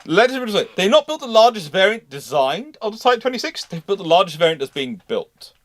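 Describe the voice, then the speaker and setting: Animated, higher-pitched man hosting a discussion. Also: brisk. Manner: explanatory, playful asides. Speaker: host answering viewer questions. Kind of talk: casual live Q&A discussion.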